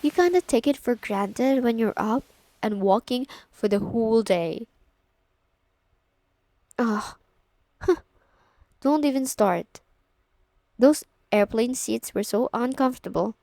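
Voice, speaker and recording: A woman's voice: fairly high pitch, animated, slow, pauses often, warm tone, dry recording. A young woman playing a friend's teasing, bossy older sister in an intimate ASMR audio roleplay, casual and lightly exasperated. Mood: weary, grumbling.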